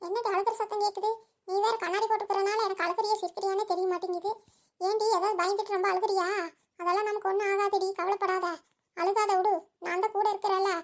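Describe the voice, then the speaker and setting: A woman's voice: extremely high pitch, little pitch movement, fast talker. A woman voicing a fretful young village wife, in a cartoon. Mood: frightened. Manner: anxious, exclaims often.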